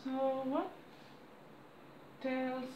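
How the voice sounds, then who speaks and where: A woman in her thirties with a French accent, chatting to camera at home in halting English, losing her voice. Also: sits high, steady tone, mellow, reverberant, highs cut off, slight background noise. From France. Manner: halting non-native English with frequent restarts and apologies. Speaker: crafts vlogger. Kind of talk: casual chat to camera. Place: small room indoors at home. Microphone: camera on a desk close by.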